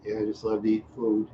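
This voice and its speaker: Slow rambling older man, lo-fi stream. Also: on the low side. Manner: slow, repetitive, lots of "yeah" and chuckles. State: tired, feeling unwell. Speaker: livestream host. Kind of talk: rambling casual livestream chat. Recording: dull lo-fi stream audio with faint noise.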